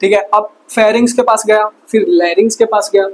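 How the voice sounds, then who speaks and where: A man teaching a fast exam revision lesson, casual and chatty, asking quick questions and answering them himself. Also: high-pitched, steady tone, rough recording. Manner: quizzes himself with quick call-and-response questions. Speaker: science tutor.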